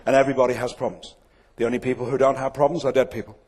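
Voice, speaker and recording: A man's voice: mid-range voice, level tone, very fast, very noisy. A man from England with a Manchester accent giving a comic keynote speech to a live audience, with dry, self-deprecating delivery. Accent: Manchester English. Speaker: keynote speaker. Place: event venue before a live audience.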